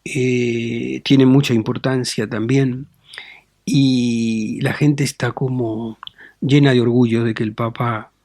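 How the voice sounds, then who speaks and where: A middle-aged man, a Catholic bishop giving deliberate interview answers with frequent tag questions and fillers. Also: medium pitch, level tone, darkish tone, no echo, clean studio sound.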